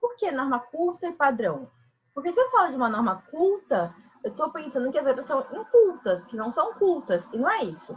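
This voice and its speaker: A woman speaks in a high register, her pitch swinging very widely. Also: moderate pace. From Brazil, São Paulo state (São Vicente). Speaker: teacher. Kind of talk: online lecture. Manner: conversational.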